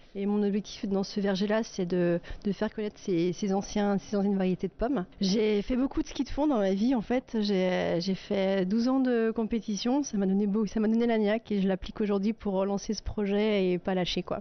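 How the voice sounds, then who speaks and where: A woman at a medium pitch, with fairly even intonation, very even loudness, a moderate pace and hardly any pauses. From Munster valley, Alsace, France. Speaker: apple grower and oil producer. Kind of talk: casual chat. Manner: halting.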